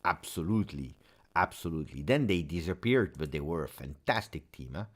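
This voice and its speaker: A man with a very deep voice talks about football in a casual recap. His pitch swings widely as he chats. French is his first language, and he talks passionately with plenty of fillers. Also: brisk. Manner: animated, passionate, frequent fillers. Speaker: football video host.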